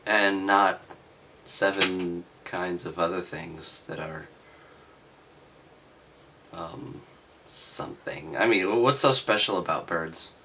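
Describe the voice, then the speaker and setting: Slow, halting man with a bright voice. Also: sits low, slight background noise. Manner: halting, offhand, sardonic asides. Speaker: reader and commentator. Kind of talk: reading scripture aloud with offhand skeptical commentary.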